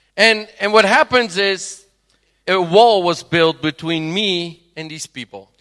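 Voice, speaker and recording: A man speaks very slowly in a high, bright, sharp voice with ordinary pitch variation and big swings in loudness, recorded dry and close with no echo. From Netherlands. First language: Dutch (speaking Spanish). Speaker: evangelist. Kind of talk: testimony.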